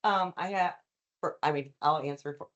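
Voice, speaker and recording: A woman's voice: low voice, normal speed, lo-fi sound. A woman speaking on a business panel about advertising at a live event. She talks in a loose, conversational way, restarting sentences and dropping fillers as she goes. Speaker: media sales panelist. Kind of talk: panel discussion answer. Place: event room with live audience.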